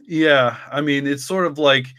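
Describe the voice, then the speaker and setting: A man's voice: a little high, a little slow, a bit bright, slight background noise. A man talking casually and reflectively, rambling with lots of "like" and "you know". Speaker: podcast co-creator and story author.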